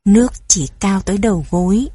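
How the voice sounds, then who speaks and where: Woman, children's story reader, gentle, mellow, husky. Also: medium pitch, brisk, no echo.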